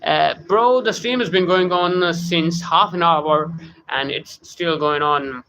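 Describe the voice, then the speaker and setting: A man with a South Asian English accent, hosting a casual live stream, halting with many fillers while he greets viewers by name. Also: a little high, sharp tone, slight background noise, poor audio. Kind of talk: casual live-stream talk, reading chat. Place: home room.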